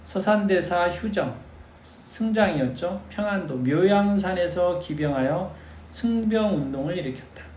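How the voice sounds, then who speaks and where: A man's voice: high-pitched, animated, measured pace, a little mellow. Emphatic man lecturing in an echoey room. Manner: addresses students directly, emphatic, rhetorical questions. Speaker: history lecturer. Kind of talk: exam-prep history lecture. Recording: echoey room with faint noise.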